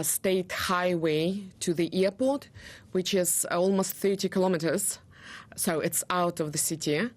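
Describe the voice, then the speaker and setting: A woman from Ukraine whose first language is Russian, explaining in a news interview with frequent pauses and fillers. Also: sits low, a little mellow. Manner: explanatory, many ums and pauses. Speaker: interview guest.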